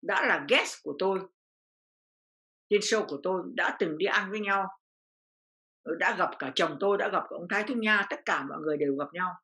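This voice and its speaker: A woman's voice: mid-range voice, brisk, pauses often, pushed and bright. An older woman from Vietnam, an interview guest, telling a personal story with feeling and repeating phrases as her voice rises.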